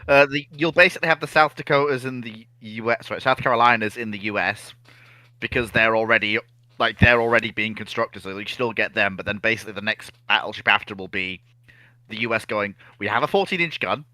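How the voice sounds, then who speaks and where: A man's voice: on the low side, a little fast, pushed and bright, no echo. A man discussing history informally and analytically as a guest on a chat show.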